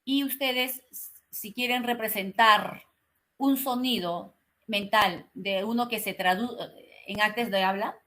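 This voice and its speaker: A woman teaching an online class, speaking slowly and articulating each word with care, with frequent checking questions and hesitations. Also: fairly high pitch, bright, forceful tone. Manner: slow, carefully articulated explaining; frequent "¿no?" and "eh" fillers.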